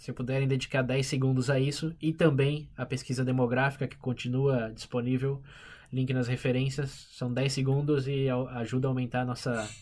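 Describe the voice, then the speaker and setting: A man speaks with a Brazilian accent at a medium pitch, sounding somewhat breathy. The recording is very clean with a silent background. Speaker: podcast host. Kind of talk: casual chat; reading announcements. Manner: animated.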